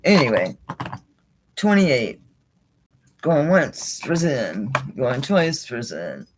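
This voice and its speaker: Slow, lively-voiced woman selling jewelry. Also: extremely low pitch, background noise. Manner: chatty, laughs often, talks to herself while handling items. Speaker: online jewelry seller. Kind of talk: casual live auction chat.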